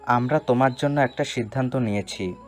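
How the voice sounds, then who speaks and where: Man acting a firm, measured, authoritative father. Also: medium pitch, soft background music, lightly acted. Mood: firm, announcing. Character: stern middle-aged father, calm, authoritative, unyielding. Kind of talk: dramatised audio story dialogue.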